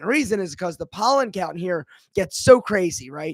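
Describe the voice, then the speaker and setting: A man speaks at a fairly quick pace with lively intonation and an animated tone. The recording is very clean, with a silent background. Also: dry, close sound with no echo. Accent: American. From US Northeast, Philadelphia. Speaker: channel founder hosting live Q&A. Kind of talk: livestream Q&A, casual chat. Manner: loud.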